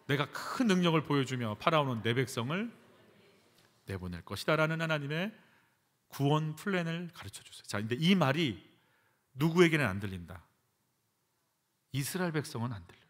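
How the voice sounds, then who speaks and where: A man's voice: on the high side, a bit bright. A man, a pastor, preaching a sermon in a church, acting out prayers with emphatic repetition. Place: church sanctuary.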